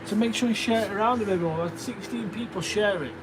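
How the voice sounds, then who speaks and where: A man's voice: high voice, fast, background noise. A man with a Derbyshire accent chatting casually on a livestream, thanking viewers and reading out their names. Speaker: livestreaming stone carver. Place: workshop.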